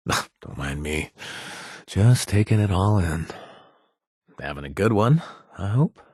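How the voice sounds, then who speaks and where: A man's voice: low-pitched, expressive, slow pace, a little mellow, slightly rough, no echo, clean studio sound, exaggerated voice. An actor playing a reformed ex-gang man turned bartender in a video game, laid-back and wisecracking. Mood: relaxed.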